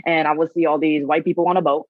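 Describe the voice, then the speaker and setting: A woman's voice: sits low, little pitch movement, quick pace, no echo, phone-quality sound. A woman from South Korea, a guest on a podcast, telling her story in a chatty way with many fillers.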